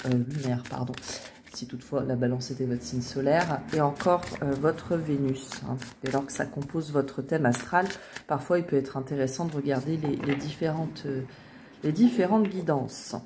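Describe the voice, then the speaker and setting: A woman giving a tarot reading for her viewers, speaking gently with many hesitations and fillers. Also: low-pitched, a little hiss or hum. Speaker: tarot reader.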